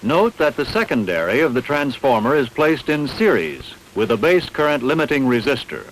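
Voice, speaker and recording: A man reading scripted instructional narration in a measured, didactic, carefully enunciated way. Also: medium pitch, big pitch swings, a little hiss or hum, low-quality recording. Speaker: training film narrator.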